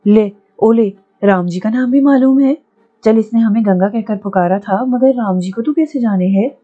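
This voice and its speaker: A woman's voice: fairly high pitch, normal speed, phone-quality sound, natural voice. A woman voicing a rustic elderly village uncle, blunt-spoken but kindly, fussing and scolding in a folksy way. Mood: astonished.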